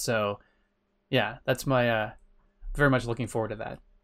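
In a very clean recording with a silent background, a man of medium pitch talks very fast with ordinary pitch variation. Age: 40s. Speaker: streamer and podcast co-host. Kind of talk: casual chat.

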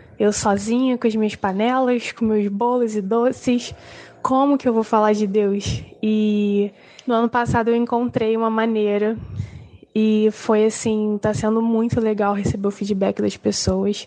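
A woman speaks fairly slowly at a fairly high pitch in a monotone, flat intonation. Noticeable background noise is present. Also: very even loudness. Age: 20s. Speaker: baker. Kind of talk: testimony.

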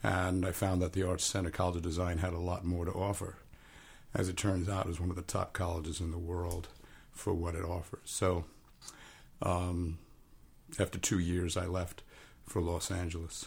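Flat and monotone, a man with a very deep, low pitch and an American accent speaks with long, frequent pauses. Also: moderate pace. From New York. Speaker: war veteran and artist. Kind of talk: interview. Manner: loud.

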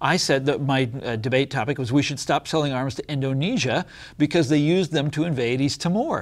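Speaking at a fairly quick pace with an American accent, a man uses a fairly high pitch and ordinary pitch variation. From Kansas City suburbs, Kansas. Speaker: journalist and author. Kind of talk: interview.

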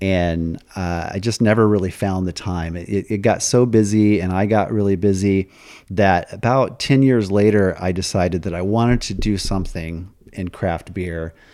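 With a Midwestern American accent, a man speaks in a dark, mellow tone at fairly low pitch, fairly even intonation and a moderate pace. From Kansas, Wichita. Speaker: chef and culinary instructor. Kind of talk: interview. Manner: halting.

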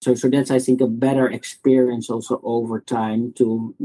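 A man with a Dutch accent speaks at medium pitch and a moderate pace in a dark, mellow tone. His intonation is monotone and flat, in a dry, close sound with no echo. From Netherlands. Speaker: tech startup founder. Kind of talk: podcast interview.

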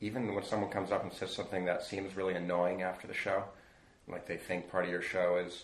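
Speaking at a fairly low pitch, a man is heard with audible room echo around him. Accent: American. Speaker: street performer. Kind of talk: casual interview.

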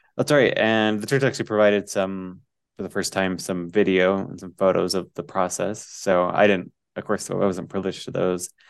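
Using a normal speaking voice, a man talks at a fairly quick pace with a fairly low pitch and fairly even intonation. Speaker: temple news writer. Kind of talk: casual chat.

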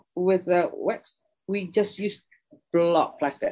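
A woman with an Indonesian accent at a very slow pace. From Bali, Indonesia. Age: 60s. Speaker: batik business owner. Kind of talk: interview. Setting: video call. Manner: halting.

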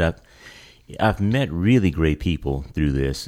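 Speaking at an unhurried, moderate tempo, this man has a voice pitched very deep and low. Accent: American. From US South, Louisiana (Crowley, Acadiana). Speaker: meditation group organizer. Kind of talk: casual interview. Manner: halting, many fillers.

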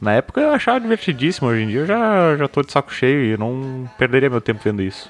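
At a very fast pace and with hardly any pauses, a man of medium pitch speaks with very wide pitch swings, the sound dry and close with no echo. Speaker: podcast guest. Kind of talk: casual chat. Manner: animated.

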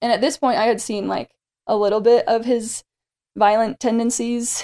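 Her tone is dark and mellow, in an American accent. The woman keeps a moderate pace. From Idaho, US. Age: 20s. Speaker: climber and author. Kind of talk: interview conversation.

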